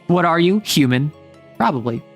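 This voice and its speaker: A man's voice: on the high side, expressive, normal speed, soft background music. An American man, a young adult, chatting casually on a livestream in a rambling, self-interrupting, wry way. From United States. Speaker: streamer.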